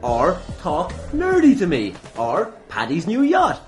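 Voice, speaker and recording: Irish man with animated, swooping delivery. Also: high-pitched, slow, soft background music. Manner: irreverent, teasing, sweary. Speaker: podcast host and interviewer. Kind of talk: casual, jokey podcast chat. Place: inside a busy gym.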